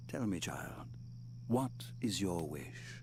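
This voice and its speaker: Against loud background noise, a man puts on a character voice. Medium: video game. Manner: solemn, grand.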